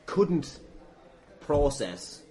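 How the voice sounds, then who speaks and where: A man's voice: fairly high pitch, sing-song, very slow, dark tone. A man hosting a casual comedy podcast interview, rambling and self-deprecating, often laughing through his words.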